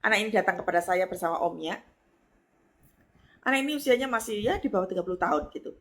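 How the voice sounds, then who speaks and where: A middle-aged woman pastor, preaching a lively sermon and acting out voices with sudden high exclamations. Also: fast.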